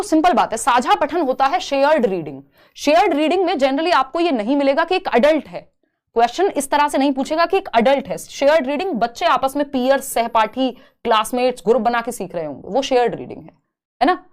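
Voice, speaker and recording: A young woman teaching an exam-prep class with a fairly high voice. She explains each point step by step, mixing in English terms, and keeps asking her listeners questions that she then answers herself. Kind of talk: online exam-prep lecture.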